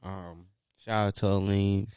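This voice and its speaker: A young man with a Baltimore accent co-hosting a podcast, talking casually in relaxed slang with lots of fillers. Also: sits low, unhurried, clean tone, no echo, clean studio sound. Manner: laid-back, filler-heavy slang talk. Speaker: podcast co-host. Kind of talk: casual chat.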